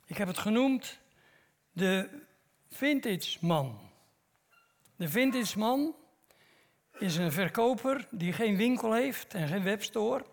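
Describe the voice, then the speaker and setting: Middle-aged male preacher, gravelly voice, unhurried dramatic sermon storytelling. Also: high voice. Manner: slow, dramatic storytelling with long pauses.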